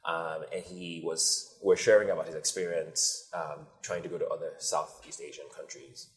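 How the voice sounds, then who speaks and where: A man from Nigeria, a company founder, answering interview questions in a measured, thoughtful way with frequent pauses. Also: deep voice, level tone. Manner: measured, thoughtful, many ums.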